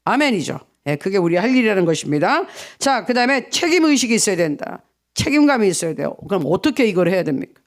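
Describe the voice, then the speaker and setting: A man's voice: sits high, sing-song, quick pace. A male pastor giving an early morning sermon, asking many rhetorical questions and acting out the people in his story. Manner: rhetorical questions, acts out quoted voices.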